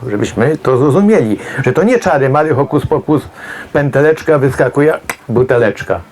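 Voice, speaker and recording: A man's voice: a little high, a little hiss or hum. A man, working as a medium and giving a chatty, jokey talk to an audience, wandering off into asides and acting out the voices of the people he quotes.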